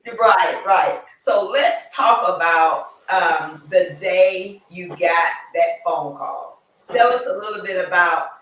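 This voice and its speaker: A woman's voice: on the low side, slow, a bit bright, far from the mic. Woman host with a roomy echo. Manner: scripted welcome, then chatty prompting. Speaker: talk show host. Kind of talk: hosting an interview show. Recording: roomy echo, away from the mic.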